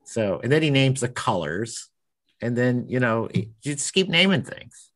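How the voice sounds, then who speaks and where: A man's voice: mid-range voice, sing-song, a little slow, a bit bright. A man hosting a cartoonist podcast in casual chat, with dry, teasing humor.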